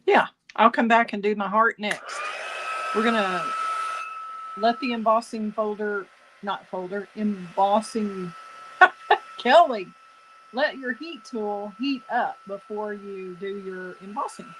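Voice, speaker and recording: A woman's voice: medium pitch, takes it slowly, a bit bright, a little hiss or hum. A woman teaching card making in a casual tutorial, chatty and self-correcting, with a slight cough now and then. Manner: chatty, self-correcting, laughs at own jokes.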